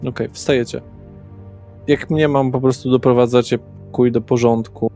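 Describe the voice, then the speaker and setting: A man runs a tabletop role-playing session as game master. His voice sits at an average male pitch. Soft music plays underneath. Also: fairly even intonation, normal speed. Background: background music.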